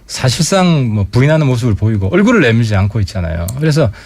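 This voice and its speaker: A man guesting on a radio current-affairs interview as a lawmaker, giving pointed, sharp-tongued political commentary into a studio mic. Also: mid-range voice, very animated, fast talker, dry recording.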